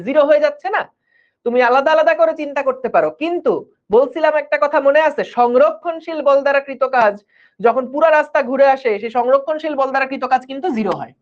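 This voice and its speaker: A man, teaching physics in an online class in a chatty way that keeps checking the students follow. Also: extremely high pitch. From Bangladesh. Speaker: physics tutor. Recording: dull lo-fi stream audio.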